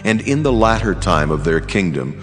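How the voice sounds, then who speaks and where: A man voicing a solemn angel in a dramatized scripture reading, speaking with grave, measured authority. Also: low-pitched, very animated. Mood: grave, foretelling. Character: solemn male angel interpreting a prophetic vision. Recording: long cavernous reverb with music underneath.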